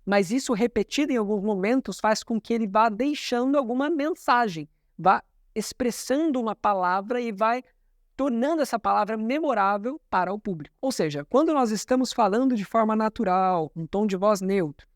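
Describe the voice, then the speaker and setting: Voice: mid-range voice, animated, moderate pace, no echo, clean studio sound. A communication coach, explaining a talk in didactic commentary and repeating key terms.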